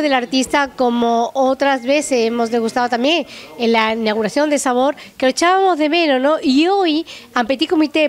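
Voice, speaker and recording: Woman, middle-aged, high voice, chatty rambling interviewer, handheld mic. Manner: rambling, chatty, tag questions. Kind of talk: presenting and interviewing. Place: small restaurant dining room, indoors.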